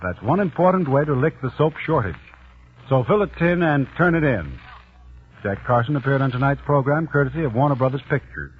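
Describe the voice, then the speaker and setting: A man's voice: medium pitch, expressive, brisk, husky. A man reading 1940s radio commercials and announcements in a punchy, salesman-like way. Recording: tinny, narrow 1940s radio recording.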